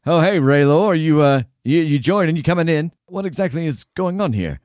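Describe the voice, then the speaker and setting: A man's voice: on the high side, animated, fairly quick, a little mellow, dry recording, clean studio sound, voice pushed up, close to an everyday voice. A man voicing a friendly, easygoing tavern keeper in a tabletop game, with a folksy, welcoming way of talking. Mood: hearty, welcoming. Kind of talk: in-character tabletop role-play.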